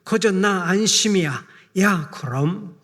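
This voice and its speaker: A pastor doing a folksy northern-dialect psalm reciter. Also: male voice, sits high, expressive, a bit bright, pitched above the performer's own voice, exaggerated voice. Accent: North Korean dialect, put on. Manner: folksy, chatty, drawn-out rhetorical questions. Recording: long reverb of a big hall.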